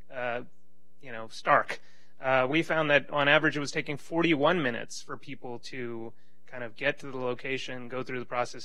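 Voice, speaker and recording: A man's voice: medium pitch, sharp tone, no room sound, poor audio. A man speaking as a panelist, giving conversational remarks and often restarting his phrases.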